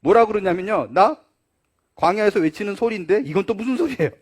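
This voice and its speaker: A man's voice: high voice, expressive, fairly quick. A male pastor preaching a sermon, acting out the dialogue of the story as he tells it.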